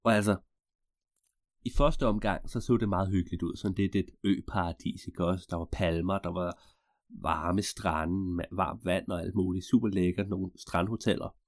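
A man telling an improvised story in a rambling, digressive way with deadpan asides. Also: sits low, dry recording, clean studio sound.

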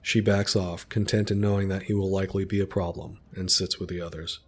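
A man narrating a story in a calm, descriptive way. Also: low voice, fairly quick, husky.

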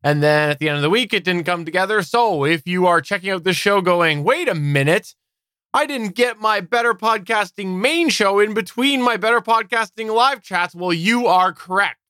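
A man's voice: high-pitched, moderate pace, bright, forceful tone, smooth, dry recording. A man co-hosting a podcast, chatting casually with dry humor. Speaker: podcast co-host.

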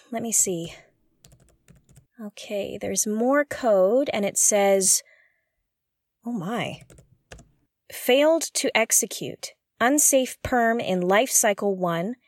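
A woman's voice: a little high, animated, slow, pauses often, darkish tone, no echo, exaggerated voice. A woman playing a curious, jittery explorer alone on a derelict spaceship, thinking aloud in an audio drama in a hesitant, exclamatory way. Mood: intent, puzzled. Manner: hesitant, exclamatory, muttering to herself.

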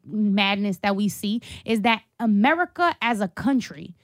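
A woman's voice: medium pitch, animated, unhurried, dry recording, studio quality. A young adult woman speaking as an activist guest in a casual interview, passionate and emphatic, with slang and swearing.

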